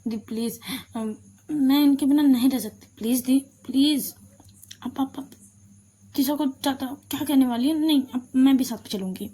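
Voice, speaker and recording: A woman's voice: on the high side, moderate pace, mellow, natural voice. A woman voicing a frightened younger sister who stammers and pleads in a spoken love story.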